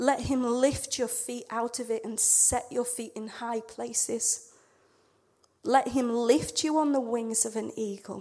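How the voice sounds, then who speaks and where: A woman speaks at a fairly slow pace in a high voice with a dark, mellow tone. Her loudness swings widely while her intonation stays fairly even. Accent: northern English. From northern England. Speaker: church speaker. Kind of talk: sermon. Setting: stage with audience, interpreted via earphones.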